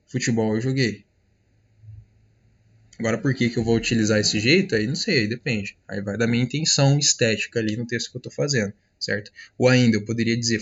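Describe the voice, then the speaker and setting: A man's voice: mid-range voice, a bit bright, highs cut off. A man with a Brazilian accent teaching an online literature class in a casual lecture style, checking in with his students after almost every phrase. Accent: Brazilian Portuguese. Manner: casual, many fillers and check-ins.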